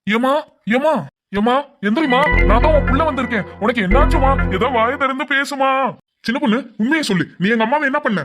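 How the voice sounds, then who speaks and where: A man's voice: very high-pitched, fairly quick, loud music behind the voice. A man voicing a worried, devoted son and husband in a cartoon, pleading anxiously. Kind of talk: cartoon voice acting.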